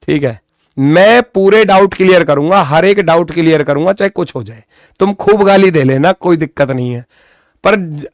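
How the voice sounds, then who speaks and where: Young guy teaching reasoning, sarcastic with the students, counts sums out loud, pretty high voice, dry close mic. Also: dry recording. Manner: scolding, sarcastic, then counts through sums aloud. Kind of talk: online exam-prep lecture.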